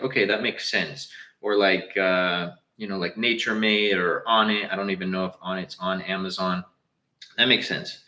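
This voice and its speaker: A young man with a Southern Californian accent chats loosely and slangily, answering viewers on a live stream. His voice sits a little low. The room around him rings with echo. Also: bright, forceful tone. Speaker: livestream host. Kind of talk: casual livestream chat.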